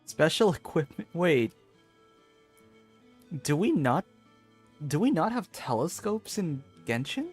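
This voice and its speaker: Streamer chatting over a game, mid pitch, really animated, faint music behind. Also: slow, pauses often, husky. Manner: musing aloud. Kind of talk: casual game stream commentary.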